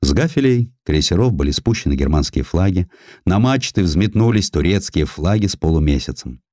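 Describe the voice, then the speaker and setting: A man narrating a historical essay as a dramatic, expressive audiobook reader. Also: low-pitched, normal speed, no echo, studio quality. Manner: expressive, theatrical storytelling.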